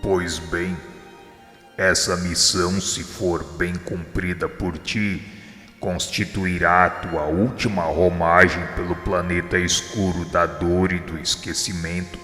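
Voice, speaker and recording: A man voicing Jesus as a grave divine figure in a radio drama, speaking with a Brazilian Portuguese accent in measured, solemn pronouncements. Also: low-pitched, flat delivery, heavily acted. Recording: heavy reverb with soft music behind.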